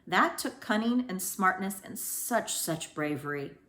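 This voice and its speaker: A woman reads as a kind male schoolteacher from a children's storybook. The delivery is gentle and reassuring, with a highly animated melody that swings up and down to encourage a young pupil. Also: measured pace, a little hiss or hum. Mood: tender encouragement.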